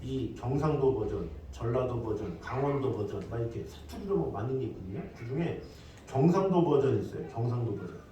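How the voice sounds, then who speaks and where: A middle-aged man preaching a sermon as pastor in a conversational way, with lively asides to the congregation. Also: medium pitch, a little fast. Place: church sanctuary. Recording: echoey hall, distant mic, faint noise.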